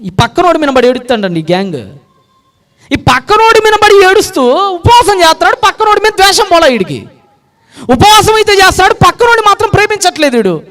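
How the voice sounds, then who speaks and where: Brief: male preacher, very high pitch, animated sermon delivery with loud and hushed swings. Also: a little fast. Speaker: pastor.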